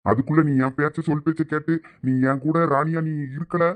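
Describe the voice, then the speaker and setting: A man's voice: fairly high pitch, steady tone, brisk, natural voice. A man voicing a cruel, scheming male captor who talks in a taunting, menacing way. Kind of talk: audio drama acting.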